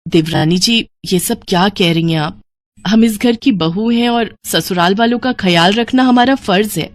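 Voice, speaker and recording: A woman's voice: mid-range voice, moderate pace, no room sound, close to an everyday voice. A woman voicing an earnest, respectful young daughter-in-law in a Hindi cartoon drama, with a polite, pleading manner.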